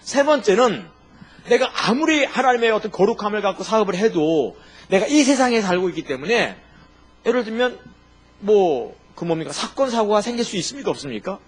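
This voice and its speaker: A male pastor delivers a sermon in a husky voice that sits a little high. His delivery is animated, with wide swings in pitch and sudden turns from loud emphasis to near-murmured asides. He keeps asking the congregation rhetorical questions. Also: normal speed. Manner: asks the congregation rhetorical questions, jokes and laughs.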